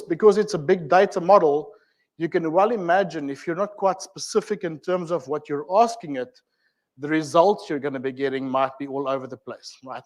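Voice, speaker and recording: A man with a South African accent giving an informal technical talk at a community meetup, chatty and filled with ums, uhs and asides to the audience. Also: on the high side. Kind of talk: informal tech presentation.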